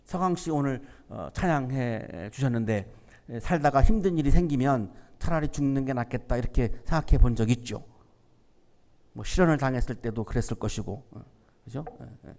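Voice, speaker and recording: A man's voice: medium pitch, moderate pace, vocal fry, a little mellow. A man preaching a sermon as pastor, talking conversationally and asking rhetorical questions. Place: university church sanctuary. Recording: church hall reverb.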